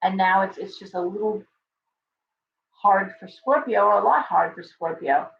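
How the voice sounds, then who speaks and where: Hoarse woman reading tarot on a livestream. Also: mid-range voice, moderate pace, recorded from a distance, a little hiss or hum. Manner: chatty, thanks viewers by name, restarts often. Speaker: tarot reader hosting a livestream. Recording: dull, roomy livestream audio from off-mic.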